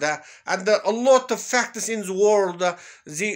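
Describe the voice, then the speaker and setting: A man with a non-native accent speaks at a moderate pace. His pitch is high, with ordinary variation. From Xinjiang, China (Kazakh). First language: Kazakh. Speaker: human rights activist. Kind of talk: radio interview. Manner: halting.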